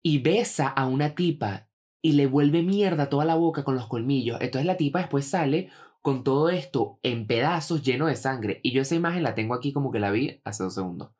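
A young man with a Venezuelan accent telling stories in a relaxed, slang-heavy chat between two co-hosts. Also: medium pitch, fairly quick. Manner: animated storyteller, heavy slang. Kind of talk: casual chat.

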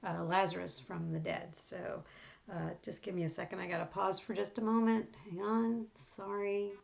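A middle-aged woman with a raspy voice hosting a devotional podcast, talking casually with many fillers and restarts. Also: lowish voice, muffled recording. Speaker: podcast host. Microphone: on camera, close mic.

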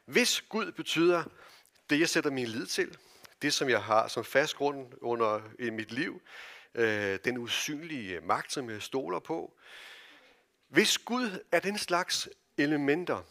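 A Danish man preaches in a church with an average-pitched voice. He talks earnestly and a little haltingly, with fillers and restarts. His volume swings from soft, hushed phrases to loud calls to the congregation. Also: lively intonation. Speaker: pastor. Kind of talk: sermon.

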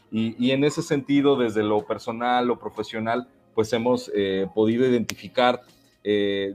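A man from Mexico whose first language is Mexican Sign Language speaks as a radio guest. His answers are measured and earnest, broken by frequent hesitations, with faint music in the background. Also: on the low side. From Jalisco, Mexico. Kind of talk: interview answers.

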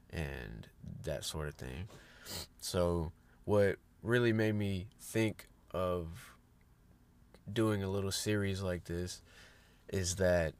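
A man hosting a fitness podcast in a casual, rambling monologue, sounding a bit congested. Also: low voice. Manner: upbeat, rambling with fillers and restarts.

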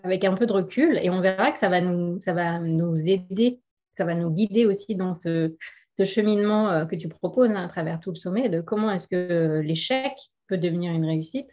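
A woman's voice: fairly low pitch, fairly quick. A middle-aged woman speaking as a guest in a casual interview, earnest and hesitant, with frequent laughs. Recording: dull lo-fi audio.

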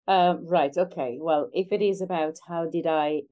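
A woman's voice: fairly low pitch, normal speed, dark tone. A middle-aged woman from Algeria speaking as an interview guest, reflective and conversational, earnest and emphatic about her work as a coach.

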